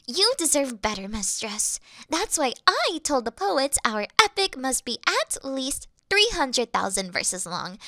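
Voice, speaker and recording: A woman's voice: high voice, bright, forceful tone, no echo, studio quality, exaggerated voice. A woman voicing a devoted female demon servant who worships her mistress, fawning and flustered in a scripted audio roleplay.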